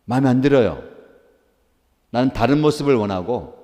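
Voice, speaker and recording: A man's voice: medium pitch, lively intonation, normal speed, dark tone, in a large hall. A man preaching a daily devotional sermon as pastor, earnestly asking rhetorical questions and answering them himself.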